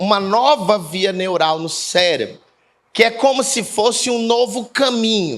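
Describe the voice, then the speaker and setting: A man speaks very slowly in a high, bright and sharp voice, his intonation lively. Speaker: pastor. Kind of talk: sermon. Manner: slow, repetitive.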